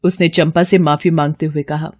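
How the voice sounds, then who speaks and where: A woman reading a storybook tale in steady, measured narration. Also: low-pitched.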